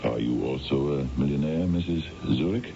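A man's voice: normal speed, vocal fry, dark tone. An actor playing a polite, formal financial man in his fifties in a radio drama, a little hesitant. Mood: courteous. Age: 50s. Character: imposing, polite fifty-five-year-old financial man. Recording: dull, noisy old radio broadcast with rumble.

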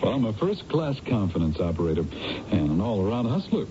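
Cocky hustler, highly animated intonation, excitable, radio drama, muffled noisy broadcast. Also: male voice, brisk. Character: brash, restless small-time con man and hustler. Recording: dull, noisy old radio broadcast with rumble.

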